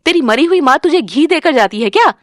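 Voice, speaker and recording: A woman's voice: high-pitched, lively intonation, a little fast, no room sound, clean studio sound, voice pushed up. Woman voicing a sneering cruel stepmother. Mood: scolding. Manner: scolding, sneering. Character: harsh cruel middle-aged stepmother. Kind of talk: animated storybook voice acting.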